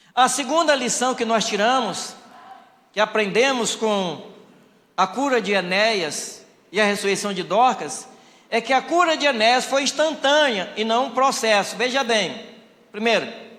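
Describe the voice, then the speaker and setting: A man with an extremely high pitch talks at a fairly slow pace with ordinary pitch variation, long, frequent pauses, and audible room echo. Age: 60s. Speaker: pastor. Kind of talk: sermon. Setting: church.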